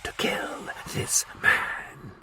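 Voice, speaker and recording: A man voicing an arrogant, menacing Martian warlord in a slow, raspy, hissing whisper.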